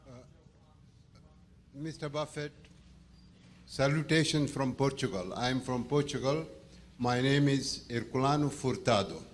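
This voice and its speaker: A man from India putting a formal, carefully worded question as a shareholder at a public meeting. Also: mid-range voice. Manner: formal, deliberate, courteous wording. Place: large meeting hall, at an audience microphone.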